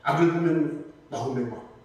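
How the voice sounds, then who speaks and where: A man delivers a Sunday sermon with animated storytelling and acts out the lines of the people in his stories. His voice sits high for a man. It rings through a very echoey church hall and is picked up from some distance away. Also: normal speed. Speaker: pastor. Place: church sanctuary.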